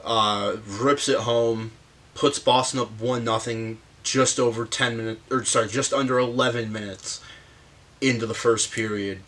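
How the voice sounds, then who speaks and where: A man hosts a casual breakdown of a hockey game, his voice hoarse and worn from illness. He talks slowly and haltingly, filling gaps with pauses and fillers as he walks through the game. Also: mid-range voice, steady tone, fairly bright tone. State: sick, hoarse voice. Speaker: hockey commentary host. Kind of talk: casual sports breakdown monologue.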